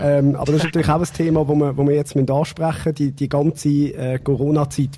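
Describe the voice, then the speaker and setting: A man's somewhat breathy, fairly high voice with a dark, mellow tone, fairly quick and flat in a monotone. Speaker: podcast host and comedian. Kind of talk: casual interview. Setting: Skype call.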